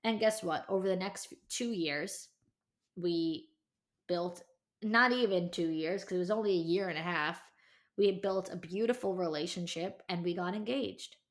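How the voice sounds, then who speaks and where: A woman's voice: on the low side, moderate pace. Candid thirty-year-old woman podcaster. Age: 30s. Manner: candid, chatty, sprinkled with "like" and "you know"; emphatic, encouraging direct address to listeners. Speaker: podcast host. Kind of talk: casual solo podcast pep talk.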